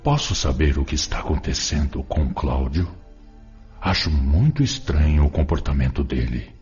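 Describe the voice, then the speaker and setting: A Brazilian man playing a troubled, possessive male spirit with a rough, husky voice, in a radio drama. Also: a bass voice, lively intonation, moderate pace, a little mellow. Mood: hurt, puzzled. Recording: dull lo-fi audio with music.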